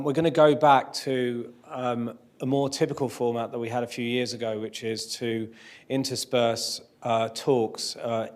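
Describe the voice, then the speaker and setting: A man's voice: mid-range voice, darkish tone. A man organising a tech meetup who introduces the speaker, hesitant and self-deprecating, with many fillers. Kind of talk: event introduction. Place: meetup venue, live audience.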